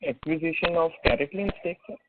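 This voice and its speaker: A man's voice: a little high, brisk. A man, heard over the phone, hesitantly asks questions as an analyst on an earnings call, with many fillers. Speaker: analyst caller. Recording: tinny phone line with loud hiss.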